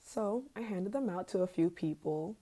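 A woman voicing an obsessive yandere scientist in an ASMR role-play, sweet and sinister, soft-spoken with hesitant pauses. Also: mid-range voice, expressive, poor audio. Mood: smug, sinister.

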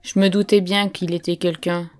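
A woman reading as a brash rough dog handler. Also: fairly low pitch, little pitch movement, moderate pace, darkish tone, soft background music, lightly acted. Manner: blunt, swearing questions.

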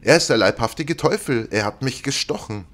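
A frightened, pleading spirit of an executed man speaks in a deep, low register, voiced by a man reading an audiobook. His delivery is anxious and full of self-pity. It is audiobook storytelling. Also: animated, moderate pace, a bit bright, exaggerated voice. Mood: terrified. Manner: pleading, fearful, self-pitying. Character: tormented ghost of a hanged young man.

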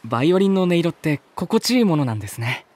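An actor playing a polite, curious young man in a voice drama, speaking in a gentle, thoughtful way. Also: on the high side, very animated, quick pace, no echo. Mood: polite interest. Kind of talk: Japanese voice drama acting.

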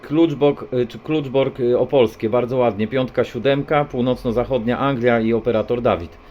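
A muffled, very noisy CB radio recording carries a man's mid-pitched voice. He talks casually in the manner of a hobby operator trading call signs and signal reports. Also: steady tone, moderate pace. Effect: CB radio transmission. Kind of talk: CB radio contact exchange, casual.

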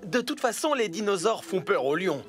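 A man voicing a cheerful, gently teasing builder in a children's cartoon, friendly and upbeat. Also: sits high, big pitch swings, normal speed, music in the background. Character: cheerful, teasing adult male construction builder. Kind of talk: children's animated cartoon dub.

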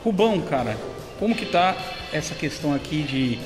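A Brazilian man in his forties hosts a casual interview, asking loose, slangy questions with some hesitation. His slightly higher voice is picked up by a phone held at arm's length inside an exhibition pavilion. The recording sounds roomy with a long reverb, and music plays clearly behind him. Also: sing-song, moderate pace. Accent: Brazilian Portuguese. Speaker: channel host. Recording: roomy echoing hall with music.

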